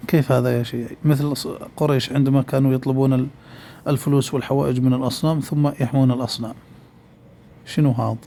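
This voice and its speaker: A man's voice: medium pitch, mellow, a little hiss or hum. A man delivering a polemical monologue in a rhetorical manner, repeatedly addressing his listeners directly. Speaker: religious polemicist.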